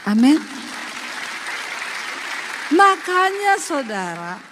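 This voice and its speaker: A woman pastor from Sulawesi with a Sulawesi Indonesian accent, preaching a lively, humorous sermon straight to her congregation. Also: high-pitched, drawn-out words, a crowd in the background. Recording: long hall reverb, faint noise.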